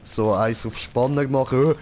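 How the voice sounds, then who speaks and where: A man's voice: medium pitch, fairly even intonation, a little slow, darkish tone, a little hiss or hum. A man with a Swiss German accent giving casual, joking gameplay commentary and talking back at the game character. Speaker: let's play host.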